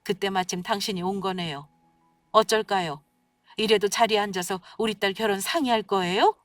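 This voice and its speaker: A woman's voice: medium pitch, moderate pace, a bit bright, no room sound, far from the mic, lightly acted. A woman voicing a stern middle-aged mother who scolds sharply and protects her daughter. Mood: indignant.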